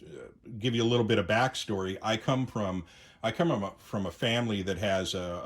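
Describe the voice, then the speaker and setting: A middle-aged American man giving an unscripted, conversational opinion monologue to viewers, with hesitant phrasing and frequent pauses. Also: lowish voice. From United States. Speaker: YouTube host, amateur radio enthusiast.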